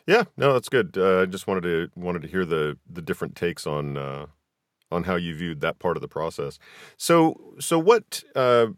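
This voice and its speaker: A man hosting a casual interview, asking questions haltingly and rephrasing as he goes. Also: sits low, big pitch swings, no echo, clean studio sound. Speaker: podcast host, interviewer.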